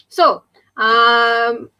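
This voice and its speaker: A young woman with a Malaysian accent teaching an online English class, mixing in Malay and reading examples slowly with stress. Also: a little high, flat delivery, pushed and bright, clear, resonant tone. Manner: chatty, fills with "okay" and "ah". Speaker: English tutor.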